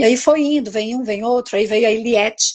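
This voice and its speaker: A normal speaking voice at a moderate pace. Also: woman. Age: 60s. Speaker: poet. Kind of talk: interview conversation.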